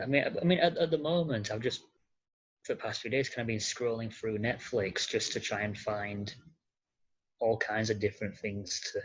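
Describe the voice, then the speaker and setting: Husky, hesitant podcast guest, muffled sound. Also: medium pitch. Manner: hesitant, halting, repeating words. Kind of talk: casual interview chat.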